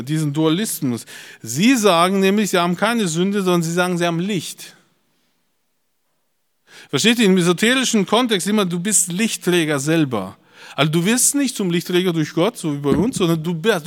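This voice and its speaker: A middle-aged man preaching a blunt, emphatic sermon, his voice swinging between loud outbursts and quiet asides. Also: high voice, lively intonation, normal speed, long reverb tail.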